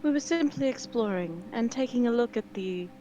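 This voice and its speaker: A woman's voice: on the high side, animated, normal speed, warm tone, faint music behind, voice pushed up, natural voice. A woman voicing a courteous, evasive woman with a Romanian accent in a tabletop game. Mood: innocent, polite. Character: polite, evasive woman exploring a church.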